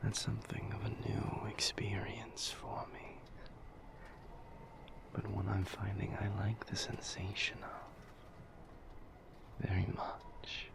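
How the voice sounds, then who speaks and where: A man playing a suave, flirtatious vampire in intimate roleplay audio, with breathy half-whispers and formal, silky phrasing. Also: lowish voice, level tone, slow pace, long pauses. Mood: tender, flirtatious. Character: suave seductive male vampire, indulgent and flirtatious.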